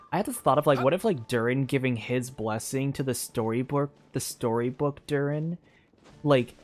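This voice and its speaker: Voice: medium pitch, a little mellow. Hesitant, rambling game streamer over music. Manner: hesitant, rambling, filler-heavy musing. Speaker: streamer playing a video game. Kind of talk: casual gameplay commentary, thinking aloud. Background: video game music.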